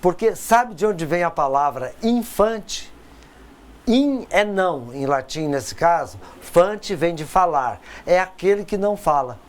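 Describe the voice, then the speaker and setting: Slow, higher-voiced male lecturer. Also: animated. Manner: conversational, frequent "né?" tags and rhetorical questions; unhurried, with pauses and repeated words. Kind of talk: recorded course lecture.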